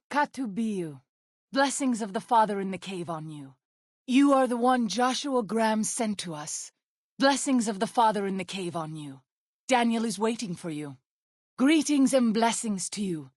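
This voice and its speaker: An actress playing an earnest, devout tribal midwife and healer in a video game, speaking in formal, measured, reverent phrases. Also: female voice, a little high, animated, a little mellow, no echo, studio quality. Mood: solemn, urgent. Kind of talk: video game character dialogue.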